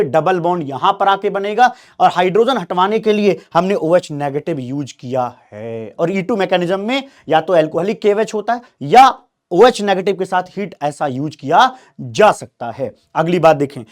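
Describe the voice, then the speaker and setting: A man teaching chemistry in an exam-prep lecture, animated, prodding students with questions and speaking for the molecules in first person. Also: high voice, normal speed. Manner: acts out molecules in quoted first-person voices.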